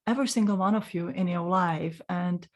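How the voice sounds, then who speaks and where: A woman in her forties with a Czech accent, telling a personal story in a gentle, unhurried way and speaking directly to the listener. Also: fairly low pitch, steady tone. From Czech Republic. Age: 40s. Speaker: spiritual channeler.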